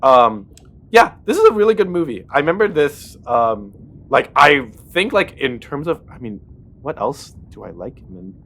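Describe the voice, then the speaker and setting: A man's voice: medium pitch, big pitch swings, normal speed, a bit bright. A man co-hosting a casual movie podcast, meandering, with many likes and ums. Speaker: podcast co-host.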